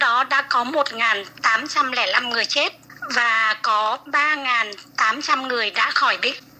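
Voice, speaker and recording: Over noticeable background noise, a woman with a high pitch projects a raised voice at a very slow pace, her pitch varying in an ordinary way. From Vietnam. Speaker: Vietnamese expatriate in Germany. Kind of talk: interview.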